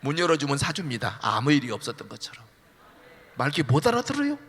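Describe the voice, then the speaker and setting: A middle-aged male pastor preaching in animated storytelling style and teasing his congregation, in a church sanctuary. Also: medium pitch, fast talker, husky. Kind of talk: sermon. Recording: long church hall reverb.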